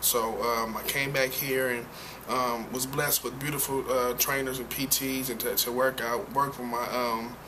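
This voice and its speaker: A young man being interviewed as a football player, answering in a halting way with many fillers and restarts. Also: medium pitch, fairly even intonation. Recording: noisy background.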